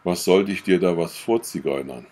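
A man voicing a shrewd old widowed farmer in a storybook reading, speaking deliberately. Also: low-pitched, a little mellow. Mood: measured. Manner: deliberate, measured.

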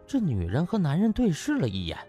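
A man's voice: on the high side, huge pitch swings, brisk, warm tone, faint music behind. A man narrating a comic novel as a scripted, dramatic audiobook.

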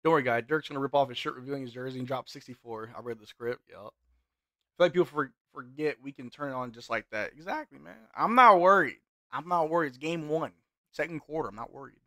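A young man doing live play-by-play and chat reading while watching a game, his voice getting hoarse, in a small room at a desk mic. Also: medium pitch, quick pace. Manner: play-by-play calls mixed with relaxed banter. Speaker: sports watch-along streamer. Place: small indoor room with gaming chair.

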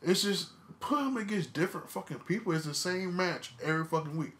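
A man with a slightly high voice talks casually as a podcast co-host. He is blunt and opinionated, swears freely, and repeats words to hammer his point. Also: expressive, brisk, a bit bright. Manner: emphatic, repeats words for stress. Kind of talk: casual wrestling podcast chat.

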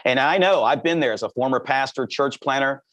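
A man's voice: medium pitch, a bit bright, no echo. A man who hosts a podcast and was once a pastor speaks conversationally over a video call from a home office, often chiming in with short affirmations. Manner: conversational, quick affirming interjections. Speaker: podcast host, former pastor. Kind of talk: interview conversation.

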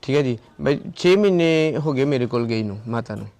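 A man's voice: medium pitch, expressive, brisk, a little mellow, dry recording. A man from Tarn Taran in Punjab, an ashram caretaker who talks insistently, repeating his points and quoting phone calls. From Tarn Taran district, Punjab. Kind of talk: confrontational on-location video.

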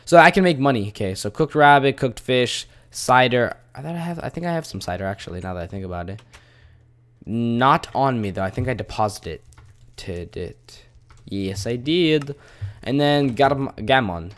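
A man's voice: mid-range voice, expressive, normal speed, a bit bright. A man giving casual let's-play commentary, rambling and poking fun at himself as he plays. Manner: rambling, self-mocking, casual. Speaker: gaming video host.

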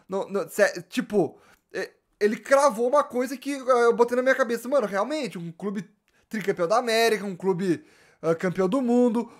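Casting: young football vlogger, very high voice, excited and slangy, talks with his hands. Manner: animated, gesturing, slangy, frequent restarts. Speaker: football YouTuber. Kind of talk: casual fan commentary to camera. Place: small indoor room with gaming chair.

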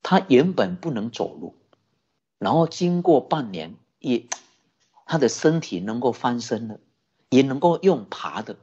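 A Buddhist dharma teacher telling a story in a sermon, animated, often asking the listeners questions. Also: medium pitch, a little slow, husky, dull audio. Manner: animated, many rhetorical questions to the audience.

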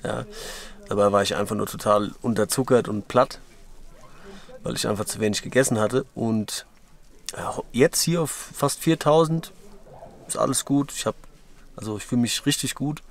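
A young man from Germany talks casually to his camera while trekking, relaxed and chatty, with plenty of fillers. His voice sits at an ordinary middle pitch. It is picked up outdoors at a mountain camp by the camera's own mic. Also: normal speed, gravelly, long pauses. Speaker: hiking vlogger. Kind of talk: casual vlog talk to camera.

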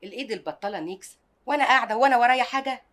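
Here an Egyptian actress uses a fairly high, fairly bright voice close to her everyday speech. Her role is a hardworking mother, proud of and devoted to her son, and she delivers her TV drama lines homely and emphatic, readily slipping into pleading.

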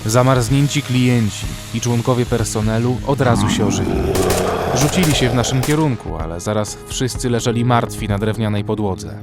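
A man's voice: mid-range voice, moderate pace, creaky, lightly acted. A man playing a weary armed survivor who narrates a horror audio drama in the first person. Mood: grim, measured. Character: weary male armed survivor narrating a frozen zombie apocalypse. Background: music bed.

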